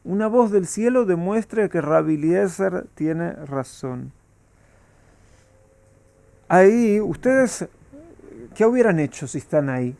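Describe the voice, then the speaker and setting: High-voiced rabbi teaching a Talmud class. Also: male voice, animated, slow, vocal fry, long pauses, dark tone, no room sound. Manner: asks the class rhetorical questions.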